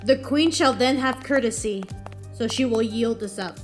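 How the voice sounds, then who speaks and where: A woman's voice: fairly high pitch, normal speed, lightly acted. A woman playing a proud, defiant, aging Roman general in a Shakespearean audio drama, declaiming in a challenging tone. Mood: wounded, bitter. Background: music.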